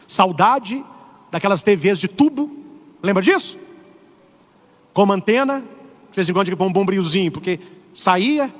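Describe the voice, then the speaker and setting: A middle-aged man with a Brazilian Portuguese accent, a priest preaching an animated, humorous sermon. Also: high-pitched, normal speed, pauses often, big-room sound. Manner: animated, humorous, acts out voices. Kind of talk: lively sermon.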